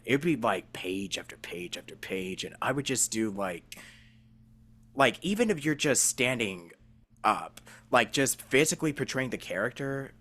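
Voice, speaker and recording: A man's voice: fairly low pitch, fairly bright tone. A man hosting a casual interview, talking in an informal, slangy, rambling way. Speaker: interview host and voice actor. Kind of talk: casual chat.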